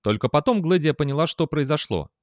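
Expressive male audiobook narrator. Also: on the high side, brisk, dry recording, studio quality. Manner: expressive, with a lively tone. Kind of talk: scripted narration.

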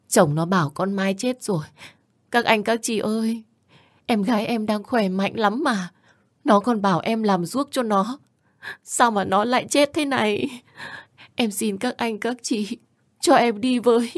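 A man's voice: high voice, measured pace, pitched above the performer's own voice. A man voicing a young woman wailing in grief over her dead sister, in a storybook reading. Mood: pleading. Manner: sobbing, wailing cries.

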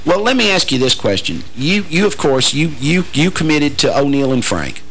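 A man, hosting a radio interview in a teasing, joking way with halting restarts. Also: on the high side, big pitch swings, a bit bright, a little hiss or hum, rough recording. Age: 40s. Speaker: radio show host. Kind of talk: casual interview chat.

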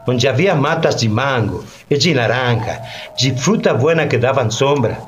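A man's voice: mid-range voice, lively intonation, highs cut off, lightly acted. An actor playing a weary old Black Brazilian peasant man in a Spanish-language radio play, rustic, rambling and brooding. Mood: mournful. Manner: rustic, rambling, brooding, with slow drawn-out phrases. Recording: noisy recording with loud ambient background.

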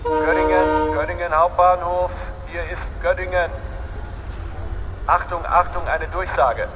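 A station loudspeaker announcer. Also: male voice, high voice, steady tone, a little hiss or hum, low-quality recording. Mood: official. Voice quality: formal, measured announcing tone. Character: male railway station announcer, official and brisk.

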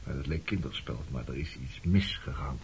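A man's voice: rumbling low, animated, normal speed, darkish tone. An actor playing a brooding former resistance man turned skipper, probing and bitter with an old lover in a radio play. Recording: dull, noisy old radio play recording.

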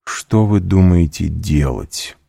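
Determined young suitor, read by a low husky man, pressing and earnest. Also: slow, dark tone, dry recording, studio quality, full character voice. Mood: urging. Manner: intense, pressing questions.

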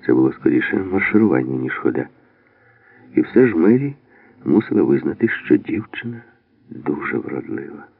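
Very deep gravelly male audiobook narrator. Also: normal speed, pauses often, no echo. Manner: steady storytelling. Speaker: audiobook reader. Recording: dry, phone-like narrow band.

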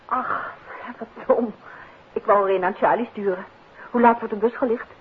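An actress playing a detective's genteel, attentive and questioning wife in a 1950s Dutch radio drama, with a Netherlands Dutch accent. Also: female voice, medium pitch, steady tone, normal speed, phone-quality sound, natural voice. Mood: curious, chatty. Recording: band-limited, noisy 1950s radio recording.

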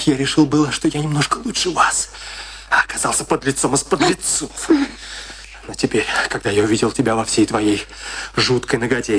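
A man's voice: medium pitch, fairly bright tone, a little hiss or hum, natural voice. An actor playing a melancholy, darkly passionate man in a radio play, with theatrical intensity. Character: melancholy male friend turned darkly passionate seducer.

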